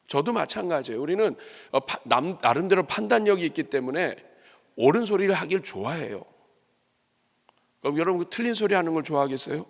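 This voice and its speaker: Lively preaching man in a reverberant church. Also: fairly high pitch, a little fast, creaky. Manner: lively, asks the congregation questions and acts out complaints. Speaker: pastor. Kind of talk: sermon. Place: church sanctuary. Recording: long church hall reverb.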